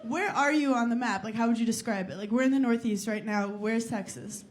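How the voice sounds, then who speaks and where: Brash high-voiced woman comic from New York. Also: a little hiss or hum. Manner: brash, teasing, rapid banter with audience. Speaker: stand-up comedian. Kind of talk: stand-up crowd work. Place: comedy club stage. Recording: live club with crowd laughter.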